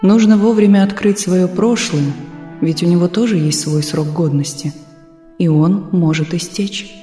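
Mellow woman reading a novel aloud. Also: on the low side, soft background music. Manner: calm, measured reading. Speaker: audiobook reader. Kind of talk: scripted literary narration.

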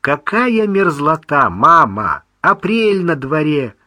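A man's voice: fairly high pitch, sing-song, slow pace, pushed and bright, no echo, clean studio sound, voice pushed up, exaggerated voice. A man reading a wry young son. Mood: ironic, soothing.

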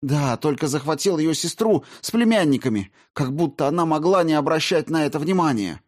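Man doing young woman, princess, furious, contemptuous, higher voice, storybook. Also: normal speed, husky, close to an everyday voice. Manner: hissing, shouting, contemptuous.

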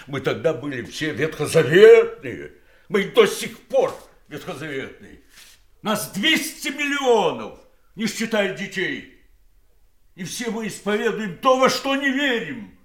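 An old doctor looking back on his long life in a stage-style audio drama. His delivery is unhurried and his pitch swings widely. He rambles, halts and exclaims, both wistful and bitter. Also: very animated. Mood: bitter, reflective. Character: garrulous wistful old doctor, eighty-six, bitterly reflective. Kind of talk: theatrical audio drama monologue.

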